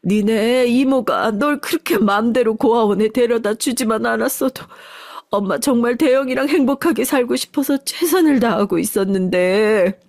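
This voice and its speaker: A woman's voice: flat delivery, slow, mellow. A woman playing a wailing elderly mother. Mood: sobbing. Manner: high, wailing, emotional. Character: elderly mother, poor, sobbing with joy.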